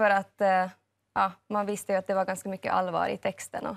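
This woman speaks with a Finland-Swedish accent at a medium pitch. The recording is very clean and the background silent. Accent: Finland-Swedish, little changed. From Finland, Swedish-speaking, Ekenäs. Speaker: singer-songwriter. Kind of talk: TV interview.

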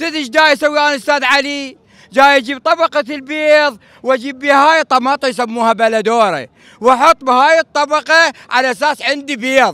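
A man's raised, projected voice, extremely high in pitch with a bright, sharp tone and ordinary pitch variation, at a moderate pace, in a dry sound with no echo and a quiet background. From Iraq. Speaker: street interviewee. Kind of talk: street vox pop. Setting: outdoors, street. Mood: aggrieved, sarcastic complaint. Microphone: handheld.

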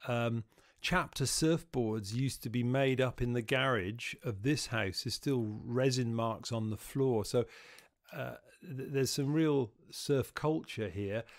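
The speaker uses an English accent, moving at a fairly slow pace with ordinary pitch variation in a very clean recording with a silent background. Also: man, medium pitch for a man. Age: 70s. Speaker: veteran surfer and skier. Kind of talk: casual chat. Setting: at his home.

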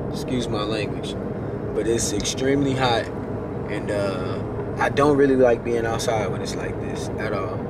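A man with ordinary pitch variation over loud background noise. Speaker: vlogger. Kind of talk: casual vlog chat. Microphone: phone near.

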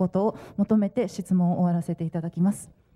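A woman at a fairly quick pace, dark and mellow in tone, over a quiet background. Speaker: city council member. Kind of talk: committee questioning. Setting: council committee room. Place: meeting room. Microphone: handheld.

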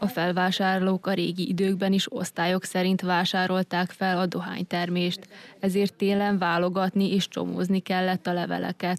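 A woman's medium-pitched voice, monotone and flat, at very even loudness with hardly any pauses, in a dry, close sound with no echo. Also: moderate pace. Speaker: TV news reporter. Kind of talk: news narration.

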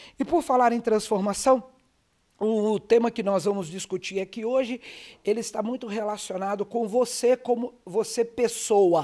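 A man speaks with a high pitch and ordinary pitch variation. His pace is moderate, and the background is quiet. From Brazil. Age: 50s. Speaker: TV talk show host. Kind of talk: talk show hosting. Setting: TV studio, live broadcast. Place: studio. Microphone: handheld.

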